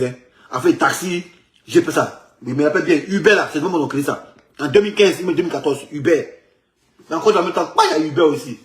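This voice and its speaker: Ivorian guy rambling fast, repeats himself a lot, kinda high voice, echoey room. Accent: Ivorian French. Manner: animated, repetitive, loops back on his words. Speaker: man in a circulated video clip. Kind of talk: rambling street commentary.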